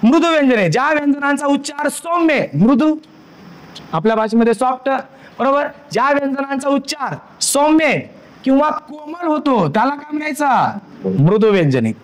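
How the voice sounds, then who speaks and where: A male teacher with a Marathi accent leads a grammar lesson in a strikingly high voice. He quizzes the class and answers his own questions, then sounds out letters slowly one after another. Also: very animated. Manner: drills by asking questions and answering them himself.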